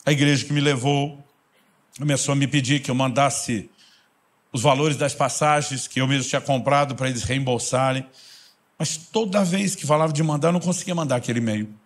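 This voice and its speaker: A man with a Brazilian Portuguese accent, preaching a storytelling sermon that swings between loud bursts and hushed intensity. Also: medium pitch, fairly quick. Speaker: pastor.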